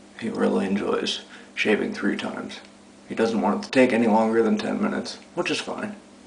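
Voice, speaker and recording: A man talks fairly quickly, with audible room echo and noticeable background noise in the recording. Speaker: shaving video blogger. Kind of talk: casual monologue while shaving. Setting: at home, daughter napping nearby. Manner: quiet, soft-spoken; rambling with fillers.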